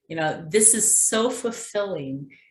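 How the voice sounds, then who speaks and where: Fairly slow speech with audible room echo. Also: woman. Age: 60s. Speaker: event host, former call center manager. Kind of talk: casual chat.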